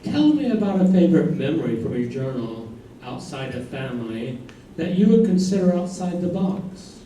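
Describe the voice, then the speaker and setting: A man's voice: fairly high pitch, sing-song, moderate pace, warm tone, a little hiss or hum. A man performing as a sombre narrator in a staged reading. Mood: plain. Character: male narrator, sombre, chorus-like. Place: live staged reading in an echoey room. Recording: very echoey, distant stage recording.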